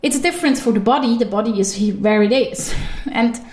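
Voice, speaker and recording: A woman with a Swiss German accent, hosting her own podcast as an intuition coach, talking animatedly on her own. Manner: animated, with quick shifts up in pitch for emphasis. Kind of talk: solo podcast monologue.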